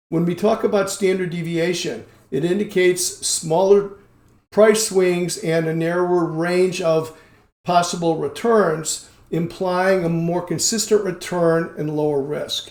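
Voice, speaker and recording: Speaking at a fairly slow pace, a man uses a high pitch with fairly even intonation. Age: 60s. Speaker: market strategist and portfolio manager. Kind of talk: investment podcast presentation walking through slides. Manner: frequent filler words (um, uh).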